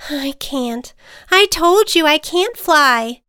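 A woman's voice: lively intonation, slow, bright, forceful tone, dry recording, studio quality, full character voice. A woman voicing a timid, fussy female butterfly who is afraid to fly, in a read-aloud storybook. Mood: fretful. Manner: defensive, fussy, high-strung.

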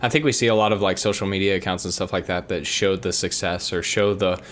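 A man with a very deep voice co-hosts a relaxed conversation about faith. He thinks out loud, hedging with fillers, and a faint hiss sits behind him. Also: fast. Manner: reflective, frequent verbal fillers. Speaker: podcast co-host. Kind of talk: casual faith discussion.

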